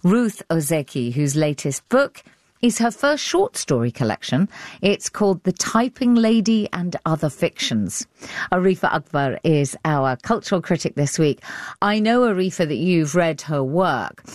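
Woman radio host, lowish voice but really bouncy intonation, chatty, dry studio sound. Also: big pitch swings, measured pace, dry recording. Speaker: radio arts show host. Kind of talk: radio presenting and chat.

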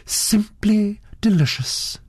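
A man's voice: high voice, expressive, takes it slowly, husky, dry recording, clean studio sound, pitched above the performer's own voice, exaggerated voice. A man voicing a dreamy, absent-minded actress who murmurs and gushes over food.

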